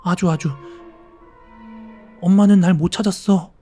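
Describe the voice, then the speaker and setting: A man's voice: high voice, fairly even intonation, unhurried, warm tone, faint music behind. A man voicing a sad little ghost girl of about eight, speaking in a tearful, trembling voice.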